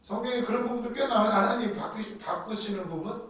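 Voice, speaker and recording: A man preaching a sermon, telling Bible stories in a lively way and acting out the quotes. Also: high-pitched, quick pace. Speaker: pastor. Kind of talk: sermon teaching on doctrine. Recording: echoey hall from far off.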